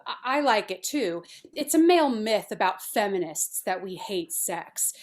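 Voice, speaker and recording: A woman playing a brisk, haughty feminist artist in a script read, speaking in a formal, clinical, matter-of-fact way. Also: medium pitch, sing-song. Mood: businesslike, blunt. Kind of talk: table read of a film script.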